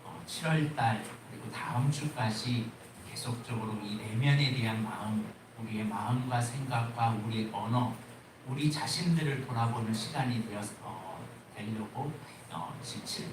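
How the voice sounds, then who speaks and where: Pastor, male, mid pitch, earnest sermon delivery, distant mic in a reverberant church hall. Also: normal speed, background noise. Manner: earnest preaching with acted-out anecdotes. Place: church sanctuary.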